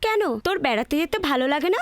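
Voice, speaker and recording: A woman's voice: sits high, very animated, fast talker, no room sound. An actress playing a curious, needling young woman in a film drama. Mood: curious, teasing. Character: curious, needling young friend keen on outings.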